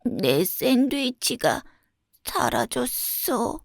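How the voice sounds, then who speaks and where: Woman voicing a slow-talking little storybook puppy. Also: a little high, sing-song, creaky, dry recording, studio quality, heavily acted. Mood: sad, forlorn. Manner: slow, exaggerated storybook character speech. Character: small stray puppy, greedy, childlike and wistful.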